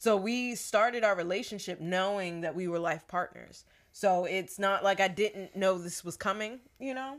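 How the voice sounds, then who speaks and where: The pace is moderate in a plain, everyday voice. Pitch varies in an ordinary way. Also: woman, medium pitch for a woman. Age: 30s. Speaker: podcast co-host. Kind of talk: casual chat.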